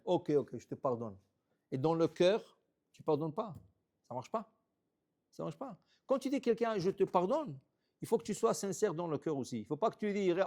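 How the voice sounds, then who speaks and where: A man, a rabbi, telling stories in a sermon, animated, repeating phrases and checking in with "ok?". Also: a little high. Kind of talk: storytelling sermon.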